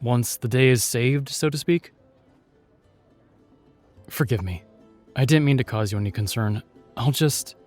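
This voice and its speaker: A male actor with a medium-pitched, slightly mellow voice plays a chivalrous knight in a fantasy audio roleplay. He is shyly tender, and his phrasing is courtly, reassuring and a little hesitant.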